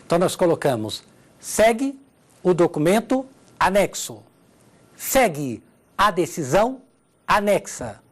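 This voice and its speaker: A Brazilian-accented woman teaches a televised Portuguese grammar lesson, going through examples and checking that her listeners follow. Her voice is on the low side with big pitch swings, and she speaks unhurriedly with long pauses.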